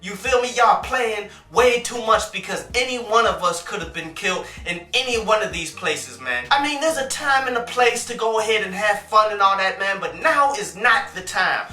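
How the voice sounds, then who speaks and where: A young man with a high, bright voice hosts a casual music review, speaking in a relaxed way full of "man" and "and such." He sounds a little away from the mic in a roomy, echoing space. Faint music plays underneath him. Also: normal speed, few pauses, far from the mic. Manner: laid-back, peppers talk with "man" and "and such". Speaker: music reviewer and show host. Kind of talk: casual vlog-style commentary.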